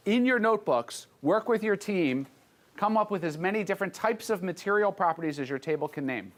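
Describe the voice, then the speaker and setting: Higher-voiced American man teaching class. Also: lively intonation. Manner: informal, repeats students' answers, prompts with quick questions. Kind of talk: interactive classroom teaching, questioning students.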